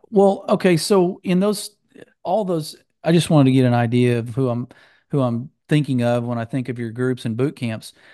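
A man talks at a moderate pace with medium pitch and lively intonation. His tone is dark and mellow, and the background is quiet. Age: 50s. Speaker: podcast host. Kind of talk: interview.

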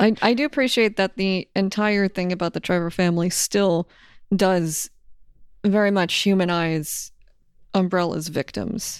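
A plain, everyday voice with an American accent, at a fairly slow pace with ordinary pitch variation, dry and close with no echo on a very clean recording with a silent background. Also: woman, medium pitch for a woman. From United States. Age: 30s. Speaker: podcast host. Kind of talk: casual chat.

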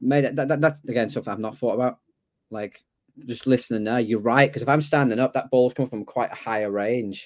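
Fairly even intonation at a very fast pace. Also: man, medium pitch for a man. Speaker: tennis coach and podcast host. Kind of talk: casual chat. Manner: loud.

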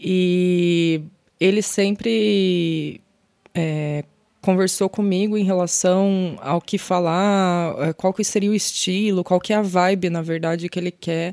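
In a dark, mellow tone, a woman speaks very slowly at a fairly low pitch with fairly even intonation. The recording is very clean, with a silent background. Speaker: metal singer and vocal coach. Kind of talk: interview.

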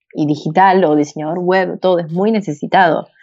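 At a moderate pace, a woman speaks in a dark, mellow tone and a fairly low pitch. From Argentina, Buenos Aires. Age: 20s. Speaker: graphic designer. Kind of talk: casual chat.

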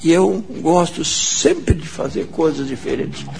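A man is speaking. Background noise is noticeable. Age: 80s+. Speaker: businessman. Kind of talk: radio interview. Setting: radio studio.

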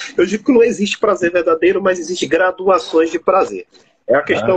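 Dry and close with no echo, a man's speech moves at a very fast pace. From Brazil. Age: 30s. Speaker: psychologist. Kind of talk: live stream conversation.

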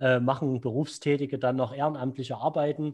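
Somewhat breathy, a man speaks at a fairly quick pace with a fairly high pitch. The background is quiet. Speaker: podcast co-host, basketball coach. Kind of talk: casual interview. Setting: remote call from home desk. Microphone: bad internet connection, dropouts.

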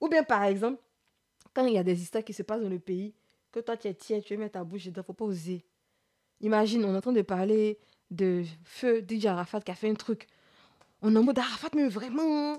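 A woman with a fairly high pitch and a dark, mellow tone speaks at a fairly quick pace with lively intonation and long, frequent pauses. The sound is dry and close with no echo. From Côte d'Ivoire, Yopougon, Abidjan. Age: young. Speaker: podcast co-host. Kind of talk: casual chat.

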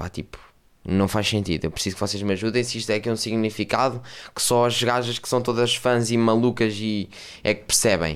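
The background is silent and the recording very clean. A man with a fairly low pitch speaks at a moderate pace. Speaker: podcast host. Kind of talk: casual monologue. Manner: animated.

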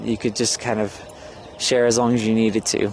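A man's voice against noticeable background noise. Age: 30s. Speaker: web designer and video diarist. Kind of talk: casual vlog monologue. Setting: outdoors, walking. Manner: halting, with many fillers and repeats.

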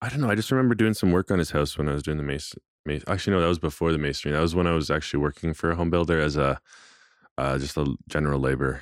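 This man talks very fast in a Canadian accent, his voice very deep and low with ordinary pitch variation. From Canada (Calgary). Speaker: TikTok creator. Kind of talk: casual chat.

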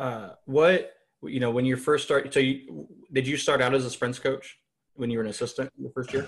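A man with an American accent and a medium pitch speaks at a moderate pace, somewhat breathy, with fairly even intonation. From Illinois. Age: 20s. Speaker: podcast host and coach. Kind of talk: interview.

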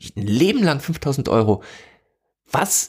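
A man's medium-pitched voice with vocal fry, very slow, with very wide pitch swings. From East Germany. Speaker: podcast host, money mindset coach. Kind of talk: solo podcast monologue. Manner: casual, with many fillers.

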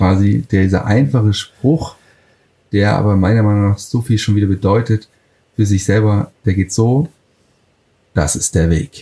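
Somewhat breathy and fairly low-pitched, a man has a dark, mellow tone with very even loudness. He moves at a moderate pace with long, frequent pauses. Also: ordinary pitch variation. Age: 20s. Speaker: cosplayer. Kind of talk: interview.

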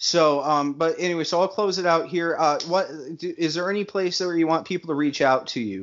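A man's high voice at a fairly quick pace. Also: ordinary pitch variation. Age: 20s. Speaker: podcast host and video editor. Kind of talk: casual interview chat.

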